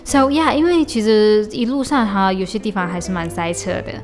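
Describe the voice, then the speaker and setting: A woman's voice: medium pitch, normal speed, a little mellow, faint music behind. A young woman from Malaysia, telling stories in a chatty, casual podcast diary, often restarting and mixing in English. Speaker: podcast host. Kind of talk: casual diary-style storytelling. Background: faint lo-fi beat.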